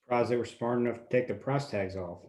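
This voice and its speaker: A man's voice: mid-range voice, fast talker, a little mellow, lightly acted. A man playing a dry, understated, wryly suspicious lookout in a script table read. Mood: wry, watchful.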